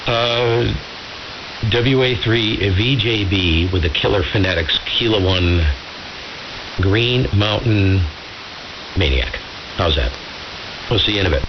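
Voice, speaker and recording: Deep-voiced man on staticky AM radio. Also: slow pace, pauses often. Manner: earnest, self-deprecating, folksy slang. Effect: AM radio transmission. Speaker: amateur radio operator. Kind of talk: casual radio chat, rambling monologue. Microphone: radio microphone heard over receiver. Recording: hissy, muffled AM radio reception, loud static.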